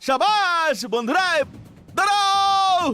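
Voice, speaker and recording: Cartoon rabbit: piercingly high voice, cocky, daft, eager, music underneath. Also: animated, slow, full character voice. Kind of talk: children's cartoon dubbing. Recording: music behind the voice.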